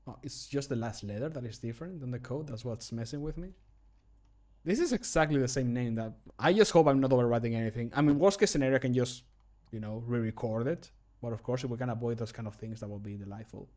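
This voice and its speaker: A man's voice: mid-range voice, quick pace, darkish tone. Casual, self-deprecating man streaming. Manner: self-deprecating, muttering to himself as he works. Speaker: game modder recording his own voice lines, streamer. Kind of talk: casual livestream commentary while working. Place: indoor room at a computer desk.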